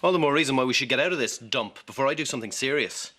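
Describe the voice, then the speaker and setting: A man's voice: medium pitch, expressive, rapid-fire, sharp tone, slight background noise. An actor playing a volatile, frightened young man who talks in an agitated, threatening way. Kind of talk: TV soap drama acting.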